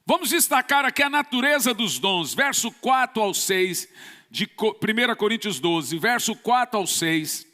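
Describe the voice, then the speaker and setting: A man's voice: high-pitched, lively intonation, moderate pace, sharp tone. A man from Brazil, a pastor preaching an emphatic sermon with sudden bursts of force. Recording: long church reverb.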